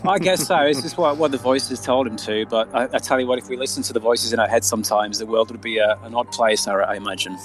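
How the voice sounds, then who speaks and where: A man's voice: mid-range voice, quick pace, hardly any pauses, faint music behind, poor audio. A man, an author chatting casually as a podcast guest. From Australia. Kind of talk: casual interview chat. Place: quiet spot by the water.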